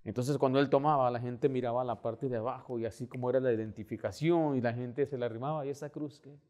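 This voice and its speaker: A middle-aged man preaching a sermon as pastor, animated, acting out little scenes as he talks. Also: mid-range voice, quick pace. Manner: animated, acts out door-knocking scenes.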